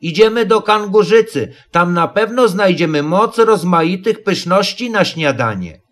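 A man voicing a kind, simple-minded teddy bear in a storybook reading, gentle and earnest. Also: sits high, lively intonation, measured pace, reverberant, long reverb tail, distant mic, pitched above the performer's own voice. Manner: gentle, earnest, sing-song.

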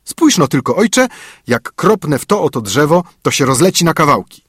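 A man voicing a clever, calm young male student in a storybook reading, pitched higher and raised, with a husky edge. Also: normal speed, dry recording, clean studio sound, heavily acted. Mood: eager.

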